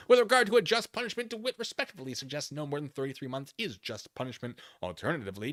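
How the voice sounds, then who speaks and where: A man's voice: medium pitch, fairly bright tone, dry recording, clean studio sound. A man streaming off-the-cuff commentary as he reads a document aloud, dropping mocking, theatrical asides. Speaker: commentary streamer, channel host.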